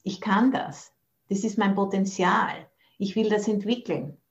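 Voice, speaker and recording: An Austrian Buddhist nun teacher speaks at a measured pace in a mid-range voice during a dharma talk over a video call, and the recording has its highs cut off. She is thoughtful and searching for words, mixing in English phrases.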